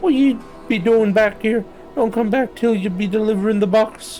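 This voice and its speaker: A man puts on a shrill, high-pitched character voice, speaking at a moderate pace with ordinary pitch variation over clear background noise. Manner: agitated, demanding.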